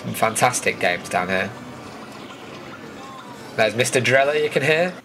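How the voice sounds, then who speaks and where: A man's voice: mid-range voice, animated, measured pace, noisy background. A man with a British accent giving a chatty, informal voice-over commentary as a vlogger recapping an event. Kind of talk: casual voice-over commentary on footage.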